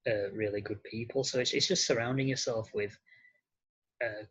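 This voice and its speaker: Slightly husky, low-pitched man, hesitant and understated. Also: steady tone, moderate pace, fairly bright tone, poor audio. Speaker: podcast guest, model and actor. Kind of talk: casual interview chat.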